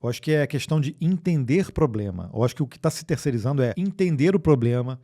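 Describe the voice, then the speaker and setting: A man with a Brazilian Portuguese accent co-hosting a tech news show, reading viewer comments and chatting in a relaxed, rambling way. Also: medium pitch, fast. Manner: relaxed and chatty, with frequent fillers and restarts. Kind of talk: casual chat, reading viewer comments aloud.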